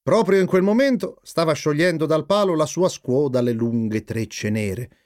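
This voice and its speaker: A man narrating a children's story aloud in an expressive way. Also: a little high, normal speed. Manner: lively, expressive.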